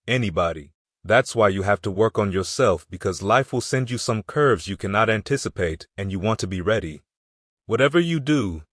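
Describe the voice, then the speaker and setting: A man's voice: on the low side, no room sound, clean studio sound. A man narrating a motivational audiobook in an earnest, emphatic way.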